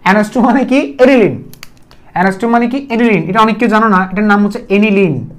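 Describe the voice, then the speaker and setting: Speaking a little fast in a high voice, a male chemistry teacher with a Bangladeshi Bengali accent gives a video lecture, going over key terms repeatedly and testing the viewer with questions.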